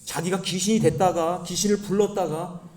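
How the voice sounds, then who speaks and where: A man's voice: high-pitched, fairly even intonation, moderate pace, darkish tone. A male pastor preaching a sermon, asking the congregation rhetorical questions. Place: church sanctuary.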